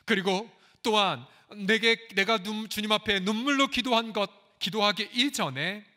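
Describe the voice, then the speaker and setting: A man preaching from the pulpit of a church, his voice bright and fairly high. He acts out the prayers and replies he quotes, with loud pleas and hushed lines in turn. The live recording has a long hall echo. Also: moderate pace. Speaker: pastor. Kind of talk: sermon. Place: church sanctuary.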